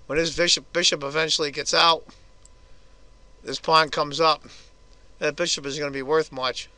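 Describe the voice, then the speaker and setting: Hoarse man commenting on chess. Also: a little high, steady tone, moderate pace, pushed and bright, no echo. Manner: casual, chatty move-by-move analysis. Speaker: chess video host.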